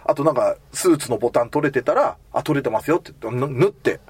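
A man's voice: medium pitch, fast talker, husky, no room sound. A man hosting a casual anime chat, telling stories and acting out the lines of the people in them. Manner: animated storyteller acting out quoted lines. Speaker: podcast host.

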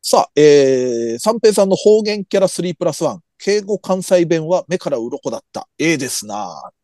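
A man's voice: high voice, normal speed, no echo, clean studio sound. A man hosting a casual podcast, reading listener messages aloud and joking along with his co-host. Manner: lively, reads messages aloud with jokey asides. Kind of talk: casual chat.

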